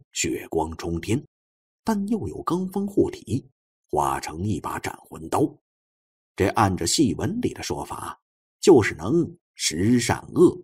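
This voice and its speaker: A man reading a suspense novel as an expressive audiobook narrator, with a husky voice. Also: deep voice.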